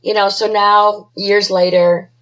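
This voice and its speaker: A woman's voice: mid-range voice, flat delivery, slow pace, a bit bright, poor audio. A woman guest on a podcast telling her own paranormal experiences conversationally, in short, matter-of-fact dramatic phrases. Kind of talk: conversational first-person storytelling.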